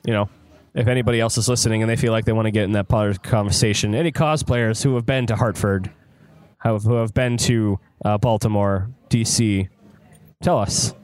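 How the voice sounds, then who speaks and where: A man from the United States hosting a casual podcast chat, reacting in a slangy, animated way. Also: on the low side, a little fast, no echo. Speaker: podcast host. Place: restaurant.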